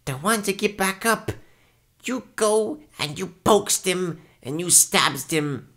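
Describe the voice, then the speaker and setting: A man's voice: high voice, expressive, slow pace, pushed and bright, heavily acted. A man in his thirties voicing a small, eager, sly kobold sorcerer with broken grammar in a character demo. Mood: gleeful, sinister. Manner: broken grammar, coaxing and repetitive.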